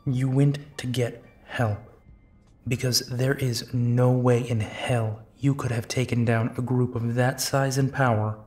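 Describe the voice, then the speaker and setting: Slow-talking, weary werewolf detective played by a man. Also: medium pitch, darkish tone, natural voice. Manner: musing, sighing, unhurried. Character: big, weary, protective male werewolf detective. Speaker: voice actor in audio roleplay. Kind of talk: audio drama monologue, intimate and conversational.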